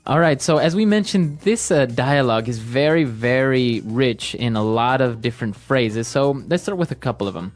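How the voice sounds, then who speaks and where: A man co-hosting a podcast lesson in a loose, conversational way, moving things along with little "all right"s and "very good"s. Soft music plays faintly underneath. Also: mid-range voice, lively intonation, normal speed, few pauses. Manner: leads segments with frequent "all right" and "very good". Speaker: podcast co-host, English teacher. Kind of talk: casual teaching chat.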